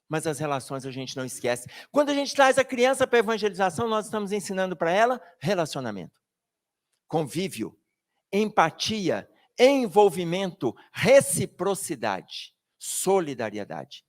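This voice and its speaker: A man's voice: high-pitched, moderate pace. A man giving a spirited public lecture at a spiritist book fair, joking and talking straight to the audience. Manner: animated, jokey, addresses the audience directly. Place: lecture hall.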